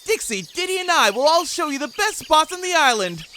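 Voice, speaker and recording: Dude playing a boastful young gorilla in an audio drama, really high bright voice, self-important. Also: male voice, very animated, a little fast, slight background noise, heavily acted. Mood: proud. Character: cocky, boastful young male gorilla, would-be island ruler. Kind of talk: audio drama character acting.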